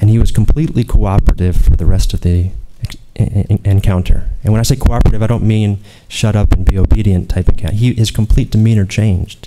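Loud background noise behind a man's fairly quick speech. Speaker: panelist. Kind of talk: personal story talk at a conference. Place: hall. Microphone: podium.

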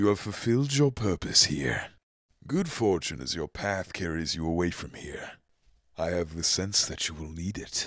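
A put-on character voice from a man, pitched very deep and low, moving at a moderate pace. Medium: fan dub. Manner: solemn, prophetic.

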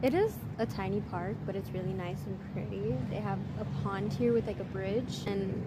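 Loud background noise accompanies a woman's voice, recorded with a dry sound and no echo. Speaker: vlogger. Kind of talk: casual vlog chat. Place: garden. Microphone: phone near.

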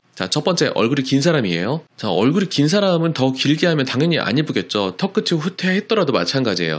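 Talking at a very fast pace, a man uses very wide pitch swings, an animated tone and vocal fry. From South Korea. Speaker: cosmetic doctor. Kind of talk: educational video monologue. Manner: animated, explanatory, mimics expressions. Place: office. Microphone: studio mic.

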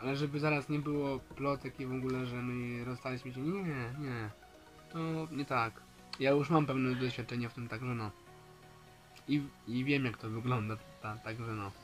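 Over clear background music, a man talks at a moderate pace with fairly even intonation and long, frequent pauses. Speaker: vlogger. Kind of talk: casual vlog chat. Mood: reflective, slightly uneasy. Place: home room. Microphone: phone near.

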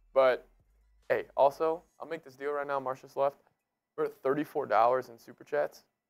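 A man talks at a fairly slow pace in a fairly high pitch, flat and monotone. His loudness swings a lot, with faint music behind him. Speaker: sports streamer. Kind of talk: live commentary. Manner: casual. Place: home room.

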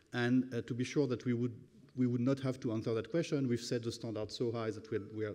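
A man's dark, mellow voice at a moderate pace, in a French accent. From France. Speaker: competition regulator; panellist. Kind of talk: panel talk. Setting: conference stage with audience. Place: hall. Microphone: podium.

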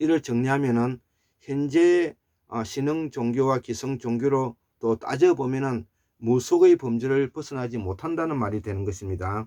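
A man at medium pitch with a dark, mellow tone, ordinary pitch variation and a fairly slow pace, in dry, close sound with no echo. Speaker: lecturer. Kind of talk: lecture reading from a book. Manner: halting, many filler words.

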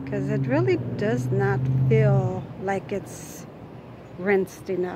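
Against noticeable background noise, a woman speaks fairly slowly in a dry sound with no echo. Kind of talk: casual vlog chat. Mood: mildly frustrated, relaxed. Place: garden. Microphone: phone near.

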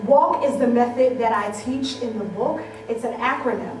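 Light background noise and audible room echo surround a woman with fairly high pitch and fairly even intonation. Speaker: motivational speaker and business coach. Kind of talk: keynote speech to live audience. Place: hall. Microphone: pa.

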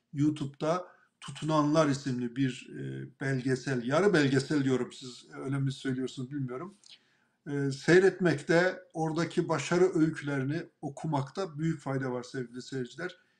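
In a quiet background, a man keeps a moderate pace and fairly even intonation. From Turkey. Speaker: journalist and book show host; journalist, book show host. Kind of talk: interview. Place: home room. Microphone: video call.

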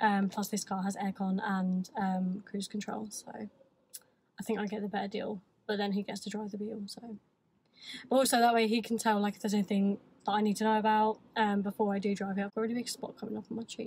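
A woman's somewhat breathy voice at a fairly quick pace, monotone and flat in intonation, with a dry sound and no echo. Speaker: vlogger. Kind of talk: casual vlog chat. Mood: relaxed, cheerful, some laughs. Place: car. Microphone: phone near.

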